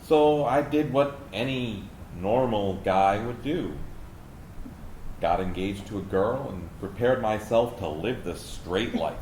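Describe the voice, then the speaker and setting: A low male voice of an actor delivers a gay man's personal monologue in a staged reading. He places his pauses deliberately for emphasis. The room is echoey, with faint noise. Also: a little mellow. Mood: wry, confessional. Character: gay man recalling a fearful small-town youth. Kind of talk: dramatic monologue read from a script to an audience.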